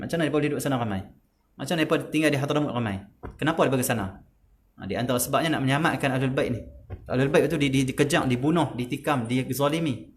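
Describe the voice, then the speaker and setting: A man from Malaysia, giving a lively, emphatic religious lesson in a conversational way. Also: medium pitch. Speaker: religious teacher.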